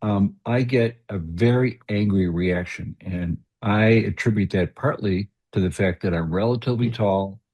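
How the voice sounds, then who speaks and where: Deep, husky, mellow-voiced man. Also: moderate pace, hardly any pauses, lo-fi sound. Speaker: commission member. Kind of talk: public meeting discussion.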